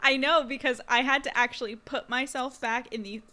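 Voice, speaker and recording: A woman's voice: high voice, fairly even intonation, a little fast, sharp tone. A woman in casual group chat, giggly and self-deprecating as she talks. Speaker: podcast writer and trivia player.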